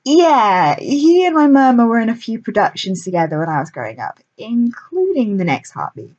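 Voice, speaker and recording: A woman's voice: a little high, big pitch swings, normal speed, darkish tone, muffled recording, voice pushed up. A woman voicing an earnest, slightly unsure young actress in a storybook reading.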